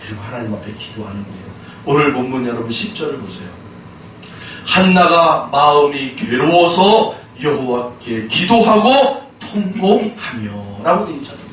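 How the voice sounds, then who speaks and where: A male pastor preaching a sermon in an animated storytelling way, often addressing the congregation. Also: medium pitch, normal speed, a little hiss or hum. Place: church sanctuary. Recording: very echoey church hall, mic far off.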